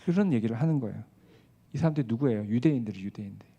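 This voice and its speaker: A male pastor preaching a sermon, asking the congregation questions and swinging between hushed asides and raised, emphatic passages. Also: mid-range voice, lively intonation, rapid-fire, creaky, breathy edge, muffled recording.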